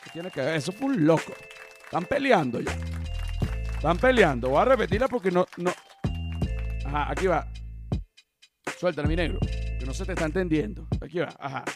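A man's voice: fairly high pitch, expressive, fairly quick, pauses often. A man hosting a podcast, joking and repeating phrases as he stops clips to comment. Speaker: podcast host. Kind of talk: casual reaction commentary. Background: music from played clips.

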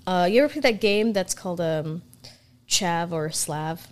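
A woman's voice: on the low side, lively intonation, unhurried. Young woman joking around on a podcast. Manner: irreverent, joking, rambling with many fillers. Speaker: podcast co-host. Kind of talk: casual chat.

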